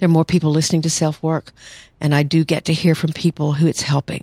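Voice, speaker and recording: A woman with a Southern US accent speaks at a very deep, low pitch with fairly even intonation, in a dry, close sound with no echo. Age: 60s. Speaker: clinical psychologist, podcast host. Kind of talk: solo podcast talk.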